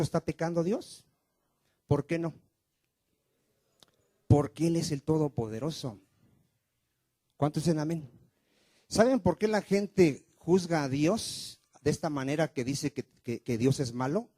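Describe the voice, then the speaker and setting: Warm-voiced pastor preaching. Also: male voice, fairly high pitch, no room sound. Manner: fires rhetorical questions at the congregation, call and response. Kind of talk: sermon. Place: church.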